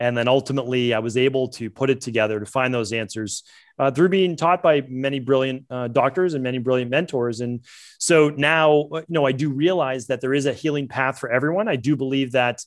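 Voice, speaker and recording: Speaking at a fairly quick pace with an American accent, a man has an unremarkable speaking voice at medium pitch with ordinary pitch variation. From Massachusetts, Boston area (Medford). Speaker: naturopathic doctor. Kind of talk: interview.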